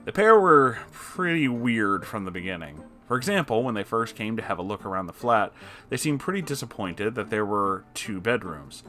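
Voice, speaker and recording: Low-voiced man reading a story aloud. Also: big pitch swings, normal speed, pushed and bright, faint music behind. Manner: breaks off with disgusted reactions. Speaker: story reader. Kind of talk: reading an online post aloud with comments.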